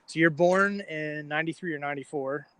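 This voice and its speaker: A man's voice: on the high side, a little fast, fairly bright tone, dry recording. A young American man in his twenties from Florida, hosting a casual podcast chat and interviewing a guest. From Florida, United States.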